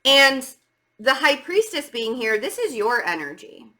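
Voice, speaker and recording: A middle-aged woman with a slight stammer speaks casually and emphatically to viewers as she gives a halting spiritual tarot reading, repeating words for stress. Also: high-pitched, very animated, pushed and bright. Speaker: tarot reader.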